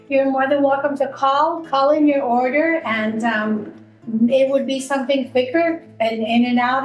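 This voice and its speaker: Woman, food truck owner, higher-pitched, earnest promotional interview delivery, echoey sound with faint music. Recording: roomy echo, faint music.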